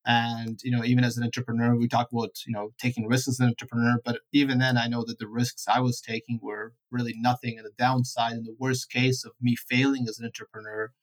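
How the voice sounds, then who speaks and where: A middle-aged man of average pitch, born in Ukraine and raised in Canada. He answers reflectively and at a measured pace, pausing and correcting himself as he goes. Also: flat delivery, low-quality recording. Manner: thoughtful, measured, self-correcting. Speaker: guest entrepreneur.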